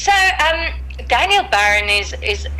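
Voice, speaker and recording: A woman talks with noticeable noise in the background. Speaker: singer-songwriter. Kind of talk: radio interview.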